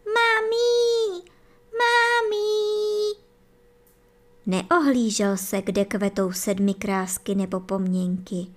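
A woman gently and expressively reading a bedtime fairy tale for children. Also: mid-range voice. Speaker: storyteller.

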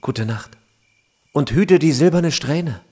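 An actor playing a young, devoted would-be warrior in an audio drama. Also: male voice, fairly high pitch, expressive, takes it slowly, mellow, husky, full character voice. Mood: wistful, tender. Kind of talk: German audio drama acting.

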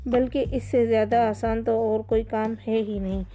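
A woman's voice: fairly high pitch, little pitch movement, warm tone, muffled recording, faint music behind, natural voice. A woman voicing a middle-aged male shoe trader who talks in a coaxing, fatherly way, in a storybook reading.

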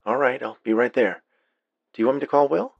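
A man voicing a calm, businesslike female midwife with soft, steady, reassuring delivery in an audiobook. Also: mid-range voice, fairly quick, gravelly, breathy edge, highs cut off, voice pushed up. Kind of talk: audiobook character dialogue.

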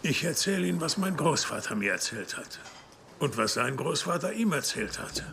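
An actor playing a wary, solemn old Native American man who speaks slowly and gravely in a dubbed TV drama. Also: on the high side, very animated, fairly bright tone, a little hiss or hum, heavily acted. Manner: slow, grave, deliberate storytelling. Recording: music clearly underneath the voice.

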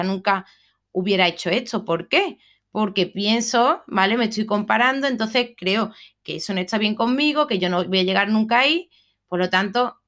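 A woman's voice: mid-range voice, fairly bright tone. A woman from hosting a solo self-help podcast, talking in a reflective way and often checking in with her listeners. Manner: reflective, frequent "¿vale?" checks, some fillers. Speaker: podcast host.

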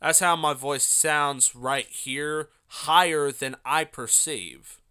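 A man's voice: a little high, slow pace, sharp tone, smooth. A young man hosting his own podcast, chatting casually and rambling with lots of fillers. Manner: rambling, loose with many fillers and asides. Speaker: podcast host. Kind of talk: casual solo podcast talk.

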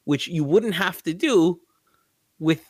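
A man's voice: a little high, lively intonation, slow, a little mellow, breathy edge, dry recording, clean studio sound. A man co-hosting a podcast, talking animatedly and pushing his point, swearing and restarting sentences. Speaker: podcast co-host. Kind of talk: casual chat.

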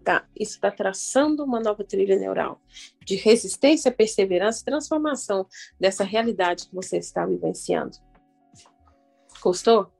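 Husky Brazilian woman giving motivational radio talk. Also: medium pitch, darkish tone. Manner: emphatic, repetitive, instructing listeners directly. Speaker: radio program host. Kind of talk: motivational self-help talk with guided declarations. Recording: music playing behind the voice. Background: music.

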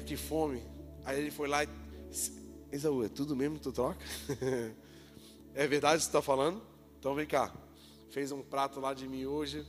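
A man preaching a sermon, telling the story in lively, slangy style and acting out the dialogue. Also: a little high. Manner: lively storytelling with colloquial jokes and acted-out dialogue. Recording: hall reverb with faint music.

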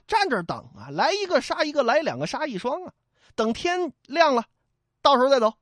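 A man's voice: very high voice, big pitch swings, brisk, no echo, studio quality, pitched above the performer's own voice, full character voice. A man doing a brash hot-headed warrior. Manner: loud and brash. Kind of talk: storyteller voicing a character.

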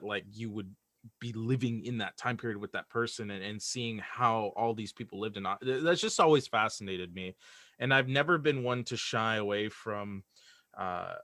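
Bright-voiced man musing in a casual conversation. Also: fairly low pitch, dry recording, studio quality. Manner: rambling, reflective, voices imagined quotes.

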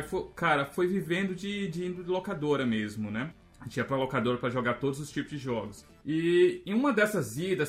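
A man's voice: on the high side, a bit bright. A man in his thirties from the interior of Brazil's Northeast, chatting in a rambling way on a casual podcast. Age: 30s. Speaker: podcast co-host.

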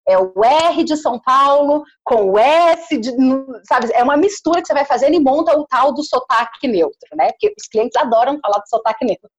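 Female, caipira country accent of northern Paraná, conversational and emphatic, slightly husky, higher-pitched. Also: expressive, a little fast, hardly any pauses, rough recording. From Paraná, Brazil. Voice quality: good clear diction. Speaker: commercial voice-over artist. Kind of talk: casual conversational interview.

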